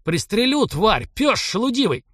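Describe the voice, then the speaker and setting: An arrogant, hot-headed young male cavalry captain in an audiobook, his voice pitched up high and shrill with spitting fury, as a male narrator puts him on. The recording is dry and close. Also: fairly quick, a bit bright, no echo. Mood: furious. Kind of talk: audiobook character voicing.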